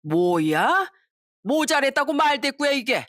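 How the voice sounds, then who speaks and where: A woman's voice: high voice, very animated, unhurried, a bit bright, no room sound, pitched above the performer's own voice, heavily acted. Bullying old father-in-law in a storybook reading, scolding and contemptuous, put on by a woman; dry close recording.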